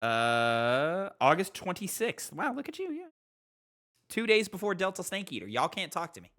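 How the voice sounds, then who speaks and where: A man's voice: high voice, huge pitch swings, moderate pace, a bit bright. A man co-hosting a casual gaming podcast, chatting in an argumentative way and swearing casually. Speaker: podcast co-host.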